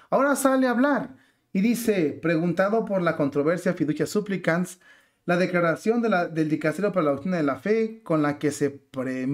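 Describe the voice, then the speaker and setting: A man giving indignant religious commentary, reading out a news report and then arguing his case with pointed rhetorical questions. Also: fairly high pitch. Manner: outraged, emphatic.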